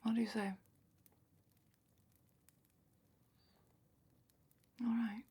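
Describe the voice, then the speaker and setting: In a fantasy ASMR roleplay, a woman plays a gentle, knowledgeable dragon keeper, her voice hushed, breathy and unhurried, often slipping into a whisper. It sits on the high side with little pitch movement. The mood is soft and inviting, and she explains things carefully.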